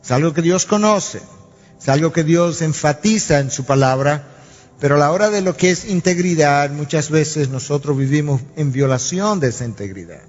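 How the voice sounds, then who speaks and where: A man's voice: a little high, animated, moderate pace, faint music behind. A man preaching a sermon to a congregation, a storyteller who acts out dialogue and sound effects. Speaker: pastor. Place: church sanctuary. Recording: dull lo-fi recording in a reverberant hall.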